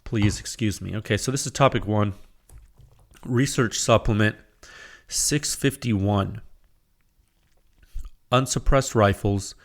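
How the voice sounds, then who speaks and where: A man's voice: fairly low pitch, slow, pauses often. A man hosting his own podcast, talking casually with lots of fillers, enthusiastic, while losing his voice. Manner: casual, filler-heavy, enthusiastic with frequent "you know". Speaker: podcast host. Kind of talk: solo podcast monologue.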